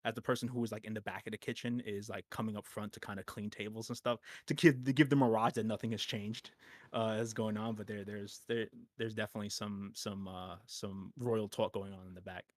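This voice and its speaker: A man's voice: fairly low pitch, steady tone, a little fast, no echo. A man narrating as game master of a tabletop game, rambling with lots of fillers and frequent laughter.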